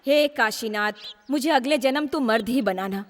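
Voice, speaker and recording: A woman's voice: on the high side, moderate pace, close to an everyday voice. A woman playing a sassy, mocking village woman in a dubbed film drama. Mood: taunting. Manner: taunting, sassy. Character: feisty, mocking young village woman goading a man. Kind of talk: dubbed Indian film acting. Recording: reverberant, slightly noisy sound.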